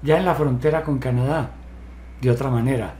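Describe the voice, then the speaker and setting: A man's voice: medium pitch, fairly even intonation, brisk, warm tone. A man in his sixties leading an online hypnotherapy session from his home study, asking pointed questions and lecturing in a direct, questioning way. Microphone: video call. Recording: roomy video call audio.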